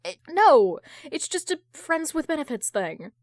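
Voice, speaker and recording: A woman's voice: high-pitched, big pitch swings, measured pace, darkish tone, no echo, pitched above the performer's own voice. A woman voicing a flustered, defensive man, insecure but boastful, in an audio fan-fiction drama. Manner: stammering, protesting.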